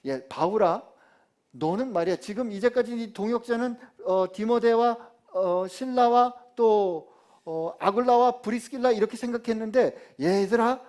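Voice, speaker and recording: A man's voice: high-pitched, moderate pace, a little mellow, natural voice. A male pastor voicing the Lord as a blunt, fatherly figure who reassures Paul in plain speech. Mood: reassuring.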